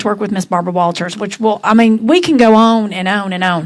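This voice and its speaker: A woman speaks at a very fast pace in a Southern US accent. Her pitch is fairly high, with ordinary variation. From Kentucky. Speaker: podcast host. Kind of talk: casual chat. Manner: animated.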